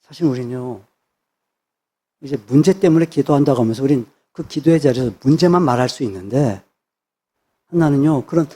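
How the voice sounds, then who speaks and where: A man's voice: fairly high pitch, a little mellow, husky. A man, a pastor, preaching a sermon with emphatic repetition of phrases. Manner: emphatic, repeats phrases for stress.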